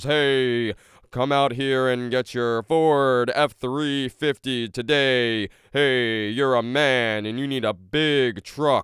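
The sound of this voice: A put-on character voice at a very slow pace. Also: man, medium pitch for a man.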